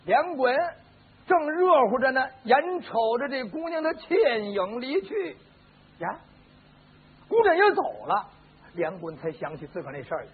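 A man's voice: very high-pitched, very animated, measured pace, breathy edge. A male storyteller narrating a traditional tale vividly and dramatically, with his own sound effects, on a lo-fi recording. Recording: lo-fi phone-like band with faint hiss.

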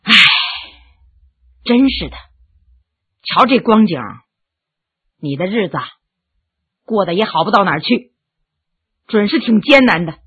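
A woman voicing a blunt, excitable but softhearted gentleman who exclaims and sighs a lot. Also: on the high side, slow, long pauses, husky, muffled recording, exaggerated voice. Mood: tender. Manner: impulsive, exclaiming, sighing.

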